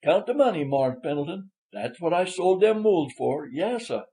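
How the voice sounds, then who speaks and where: Man acting an old Southern countryman, emphatic, high-pitched. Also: animated, normal speed, dark tone, lightly acted. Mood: earnest, proud. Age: older. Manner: folksy dialect, emphatic, earnest. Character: elderly Southern man, former plantation servant, proud and loyal.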